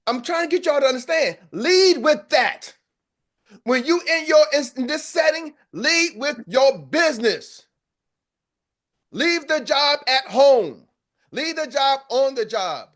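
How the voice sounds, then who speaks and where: A high-voiced American man leads a group call as a sales coach. He talks in a fiery, preacher-like way and drives his points home by repeating them. The energy stays high as he pushes the listeners. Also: fairly bright tone. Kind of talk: motivational pep talk.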